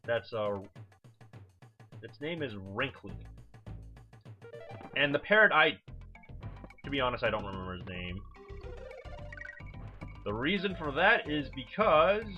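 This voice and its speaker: A man giving casual, rambling video game commentary as a let's player, informal and prone to swearing. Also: on the high side. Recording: dull lo-fi mic over game music. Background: video game music.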